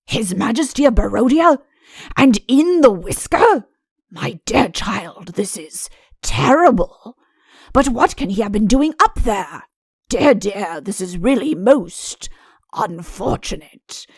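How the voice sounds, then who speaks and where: A woman voicing a pompous, fussy fairy-tale king and doting father in a comic audiobook, with mock-innocent, deliberate phrasing. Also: mid-range voice, expressive, breathy edge, no room sound, full character voice. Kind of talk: audiobook comic character acting.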